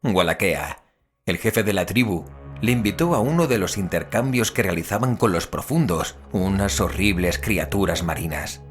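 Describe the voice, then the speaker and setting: An actor playing an investigator who recounts a cursed town's grim history in expressive, deliberate Castilian Spanish for an audio drama. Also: male voice, low-pitched, soft background music. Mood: intrigued, ominous. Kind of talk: scripted audio drama narration.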